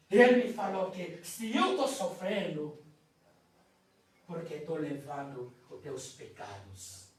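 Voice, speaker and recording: A male preacher tells his testimony in a slow, high voice that climbs and falls sharply. He moves from shouting to near-whispers. The sound comes from far off in a very echoey church hall. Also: slight background noise. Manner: swings between shouting and hushed telling. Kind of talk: sermon testimony. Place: church sanctuary.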